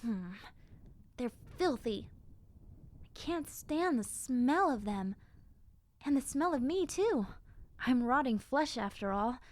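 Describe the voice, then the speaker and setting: Woman doing a chatty lil zombie girl, friendly n lonely, kinda high girly voice, audio rp talking right to you. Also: animated, slow pace, long pauses, a little mellow. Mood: cheerful, fussy. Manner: casual, chatty, conversational, girlish. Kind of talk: scripted audio roleplay, speaking to the listener.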